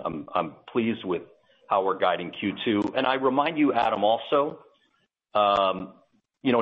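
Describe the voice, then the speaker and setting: A male company executive speaks in a lowish voice over a narrow, phone-like conference line. He answers analysts in emphatic corporate language, stressing his points. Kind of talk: earnings call answers to analysts.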